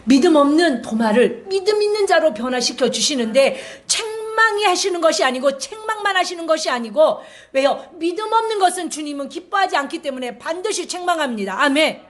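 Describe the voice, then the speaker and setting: A middle-aged woman pastor preaching a Sunday sermon in an animated way, often acting out the gentle voice of Jesus speaking to his disciples. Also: extremely high pitch, fairly quick, hardly any pauses.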